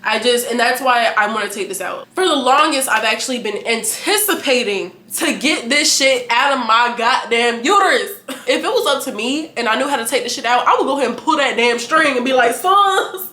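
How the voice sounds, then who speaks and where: Young woman in her 20s, vlogger, bright voice, animated and frank, echoey room. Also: on the high side, brisk. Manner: animated, candid, laughing, profane. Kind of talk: casual chat to camera.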